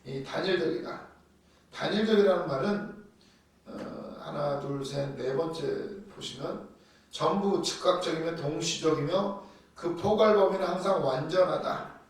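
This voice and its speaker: A man preaching a sermon, telling Bible stories in a lively way and acting out the quotes. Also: a little high, a little slow. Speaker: pastor. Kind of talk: sermon teaching on doctrine. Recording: echoey hall from far off.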